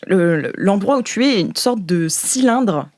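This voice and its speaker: A woman's voice: medium pitch, expressive, a little slow, darkish tone. A woman game master improvising narration for a sci-fi audio role-playing game in an informal, playful, slangy way.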